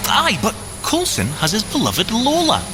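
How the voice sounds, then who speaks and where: Animated, boastful young gadget-inventor agent. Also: male voice, sits high, moderate pace, noisy background. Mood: smug, playful. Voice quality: animated, theatrical delivery. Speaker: agent and engineer character. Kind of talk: banter in an audio drama field report.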